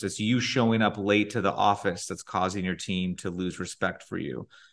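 A man's ordinary speaking voice, fairly low in pitch, with an American accent, fairly even intonation and a moderate pace against a quiet background. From Southern California, Riverside County. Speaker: business coach and entrepreneur. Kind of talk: casual interview.

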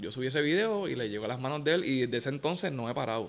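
A man speaks with a Puerto Rican accent at a medium pitch. His intonation is lively, with some vocal fry. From Puerto Rico (San Juan, Guaynabo). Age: 30s. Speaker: professional basketball player. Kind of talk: casual interview.

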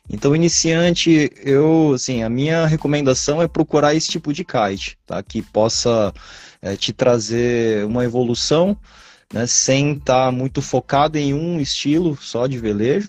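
A man with a fairly high pitch speaks in an ordinary speaking voice at a fairly slow pace, with ordinary pitch variation. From São Paulo, Brazil. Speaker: kitesurfer and salesperson. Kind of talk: casual interview.

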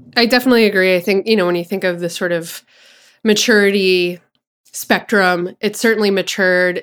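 In an American accent, a woman talks fairly quickly in an ordinary speaking voice at medium pitch, with fairly even intonation, on a very clean recording with a silent background. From New York. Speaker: marketing executive, podcast host. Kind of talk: interview.

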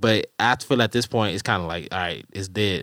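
A man with a fairly low pitch at a fairly quick pace, an ordinary speaking voice, on a very clean recording with a silent background. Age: 30s. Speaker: podcast host. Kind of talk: casual chat.

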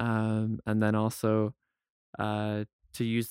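A man speaks with a Canadian accent. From Canada, Toronto. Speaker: long-distance cyclist fundraising for charity. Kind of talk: casual interview chat. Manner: halting, many fillers.

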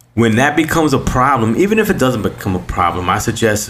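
Speaking at a fairly quick pace, a man uses a New York accent. His pitch is medium. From New York City. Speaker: war veteran. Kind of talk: interview.

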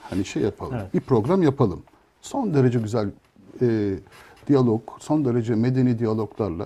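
His tone is dark and mellow, with some breathiness. The man talks at a fairly quick pace. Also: quiet background. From Istanbul, Turkey. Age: 50s. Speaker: football club presidential candidate. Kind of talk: TV interview.

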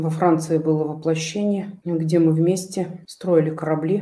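Audible room echo surrounds a woman speaking at a fairly slow pace. Her voice is fairly low in pitch, with a dark, mellow tone. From Tatarstan, Russia. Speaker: past-life regression client. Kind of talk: regression session narration and interview.

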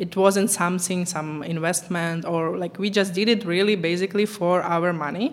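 Speech moves at a moderate pace with fairly even intonation and hardly any pauses, over noticeable background noise. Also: woman, fairly low pitch for a woman. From Ukraine. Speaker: fashion designer. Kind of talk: casual interview. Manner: nervous.

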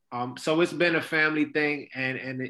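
Fairly even intonation with a New York accent, captured in a very clean recording against a silent background. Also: man. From New York, the Bronx. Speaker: rapper and high school teacher. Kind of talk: casual chat.

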